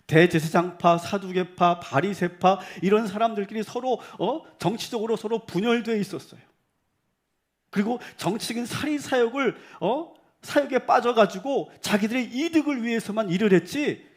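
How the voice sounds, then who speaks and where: High-voiced man preaching a sermon. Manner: rhetorical questions to the congregation, rising to loud emphatic cries. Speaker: pastor.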